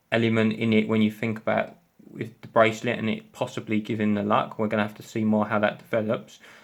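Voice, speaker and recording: The man has a British accent and a medium pitch. He talks at a fairly quick pace. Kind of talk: casual talk to camera. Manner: fast.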